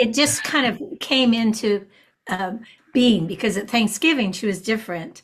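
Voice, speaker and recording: A woman's fairly high, somewhat breathy voice with lively intonation at a moderate pace. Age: 80s+. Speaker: call participant. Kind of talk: casual conversation. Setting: video call.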